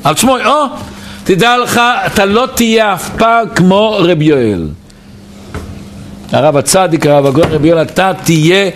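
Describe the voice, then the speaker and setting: Brief: male Hasidic storyteller, lively swooping delivery, a bit higher voice, faint noise behind. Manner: animated, repeats phrases, addresses listeners directly. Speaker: Hasidic teacher at a gathering. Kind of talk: storytelling talk at a farbrengen.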